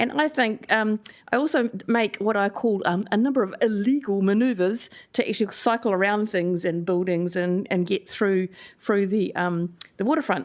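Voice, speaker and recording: A woman with a New Zealand accent, at a moderate pace. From New Zealand, Wellington. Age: 60s. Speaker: member of the public making a submission. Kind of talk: public submission to council. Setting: council committee meeting in person. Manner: halting, many fillers.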